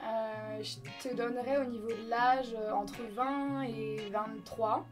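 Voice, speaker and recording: A woman's voice: a little high, fairly even intonation, takes it slowly, over loud music. A woman from the Paris region chatting casually on a blind date in a giggly, teasing way. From Paris region, France. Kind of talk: casual chat.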